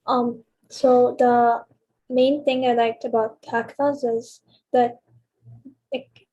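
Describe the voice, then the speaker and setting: A woman speaks haltingly in a husky, mellow voice. Her pitch stays flat. The call audio sounds dull. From Egypt. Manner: hesitant, halting. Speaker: hackathon participant. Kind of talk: casual spoken feedback.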